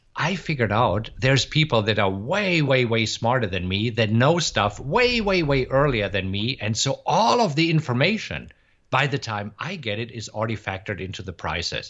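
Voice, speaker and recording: A man with a German accent speaks with lively intonation. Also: medium pitch for a man, moderate pace, hardly any pauses. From Germany. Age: 50s. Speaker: professional trader. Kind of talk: interview. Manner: animated.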